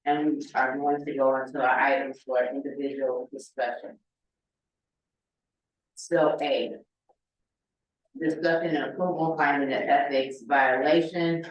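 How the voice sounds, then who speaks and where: A man chairing a city council meeting, moving through agenda items in a halting, procedural way. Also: on the high side. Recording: dull echoey chamber audio from far off.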